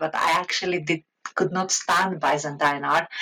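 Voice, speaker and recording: A woman's very deep, low voice in a Greek accent. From Greece (Crete). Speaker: art historian. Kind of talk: interview. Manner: hesitant, many fillers.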